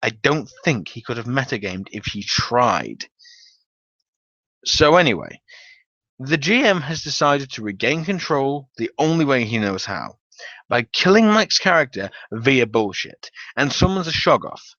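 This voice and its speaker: A man narrates a comic gaming tale as a dramatic reading. His delivery is theatrical and wry, with very lively intonation and a bright, forceful edge. The sound is dry and a little dull. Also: medium pitch, a little slow, no echo. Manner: theatrical storytelling with wry emphasis. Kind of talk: dramatic reading of a comic tabletop-game story.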